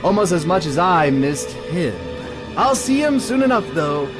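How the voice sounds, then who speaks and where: An actor playing a sadistic, theatrical clown villain who taunts like a stage comedian in an audio drama. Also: male voice, high voice, very animated, a little slow, music in the background. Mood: menacing taunting.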